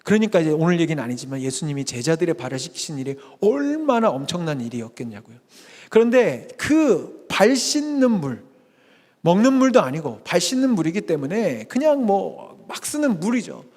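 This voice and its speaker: A man preaching a lively sermon as pastor, acting out the people in the story with quoted asides. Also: on the high side, moderate pace. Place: church sanctuary. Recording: long hall reverb.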